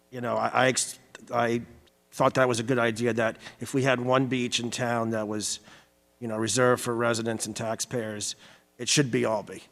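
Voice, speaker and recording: A man's voice: mid-range voice, gravelly, fairly bright tone. A man giving a spontaneous answer as a local candidate, repeating phrases as he builds his point, in an echoing hall. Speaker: candidate for town selectman. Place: arts center hall. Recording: long hall reverb.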